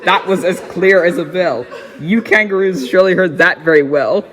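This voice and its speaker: A man's voice: sits high, normal speed, a bit bright. A man doing a dramatic, giggly read-aloud of a rhyming children's picture book. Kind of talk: dramatic storybook reading with frequent giggling. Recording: echoey reverberant room sound.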